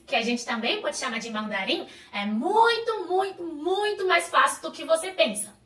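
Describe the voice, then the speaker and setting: A woman whose first language is Chinese teaching Chinese in a video lesson in Portuguese, in a lively, encouraging, explanatory way. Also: sits high. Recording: roomy echo, voice a bit far from the mic.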